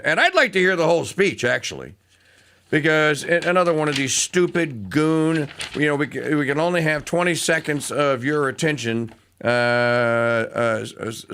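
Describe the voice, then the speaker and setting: A middle-aged man from Louisiana, hosting a casual talk radio show, rambling and digressive with lots of fillers and restarts. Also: clean tone. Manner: animated pitch swings.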